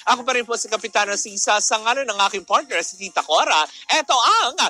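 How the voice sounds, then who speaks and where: Male radio host, Filipino accent, high-pitched, very bright sharp tone, campy and playful, casual live chat. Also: animated, quick pace. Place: radio studio.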